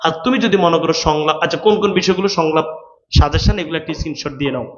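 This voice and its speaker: Tutor with a raised voice, roomy. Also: male voice, on the high side, racing. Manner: repetitive, instructive, keeps checking students understand. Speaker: admission test tutor. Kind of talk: online exam-prep lecture. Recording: roomy, dull lo-fi sound.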